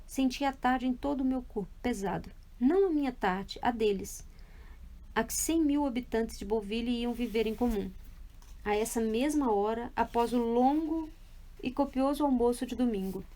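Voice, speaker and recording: A woman narrating a literary audiobook in a calm, measured reading voice. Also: on the high side. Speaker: audiobook reader.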